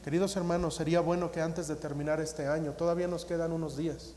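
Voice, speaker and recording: Mexican pastor preaching in an echoey hall. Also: male voice, a little high, flat delivery, fast, dark tone, slight background noise. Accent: Mexican Spanish. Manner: earnest, pleading, many restarts and fillers. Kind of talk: sermon. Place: church sanctuary. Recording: roomy church hall reverb.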